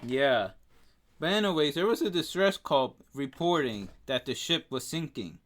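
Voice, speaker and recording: On a laid-back podcast, a Spanish-accented man whose first language is Spanish co-hosts, reading facts in a halting way with many fillers and stumbles over names. His voice sits on the high side, animated and a bit bright.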